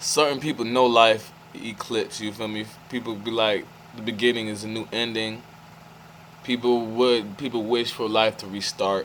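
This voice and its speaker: A man's medium-pitched voice, monotone and flat in intonation, over noticeable background noise. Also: moderate pace. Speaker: spiritual vlogger. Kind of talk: casual monologue. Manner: rambling, halting.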